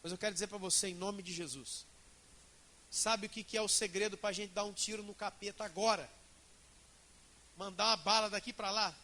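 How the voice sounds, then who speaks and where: Bright, high-voiced preaching pastor. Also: male voice, fairly even intonation, brisk, long pauses. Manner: emphatic preaching, asks the congregation questions. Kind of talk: sermon. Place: church.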